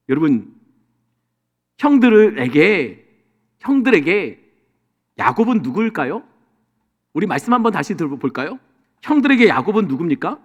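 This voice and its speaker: A man's voice: high-pitched, fairly bright tone. A male senior pastor preaching a Sunday sermon to his congregation, throwing rhetorical questions at them. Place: church sanctuary. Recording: long hall reverb.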